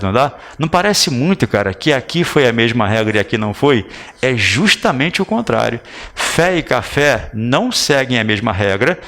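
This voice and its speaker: Brazilian man, grammar teacher, recorded exam-prep lesson, animated pitch, chatty and coaxing. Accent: Brazilian Portuguese. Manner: lively, chatty, coaxing questions to students. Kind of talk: recorded video lesson at a whiteboard.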